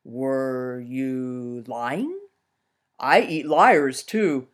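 A woman voicing a hungry, bullying male bear in a told folk tale, slow and menacing. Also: a bass voice, pitched below the performer's own voice, exaggerated voice.

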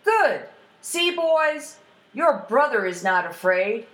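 A poor farmer father from a folktale voiced by a woman, stern and commanding. The speech is raised in pitch and animated, in an echoey space. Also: slow pace, heavily acted. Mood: approving. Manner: firm, commanding. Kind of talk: folktale storytelling.

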